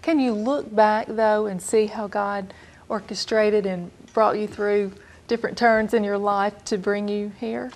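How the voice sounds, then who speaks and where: Pitch varies in an ordinary way while the speech keeps a fairly slow pace. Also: woman, medium pitch for a woman. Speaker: TV show host. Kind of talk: interview for a church TV show. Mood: warm, friendly. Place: church.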